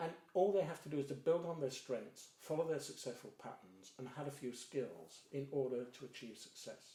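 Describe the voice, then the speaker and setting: Somewhat breathy, with a dark, mellow tone, a man with an English Midlands accent at a fairly high pitch, with lively intonation, big swings in loudness, a moderate pace and hardly any pauses. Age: 70s. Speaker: strengths coach. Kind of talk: interview.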